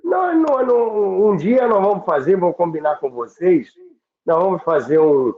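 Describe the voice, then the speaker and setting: A man with a Brazilian accent tells stories conversationally as a radio history commentator, driving points home with repetition and lists. His high-sitting voice is animated at a moderate pace, and the recording sounds thin and phone-like with roomy echo.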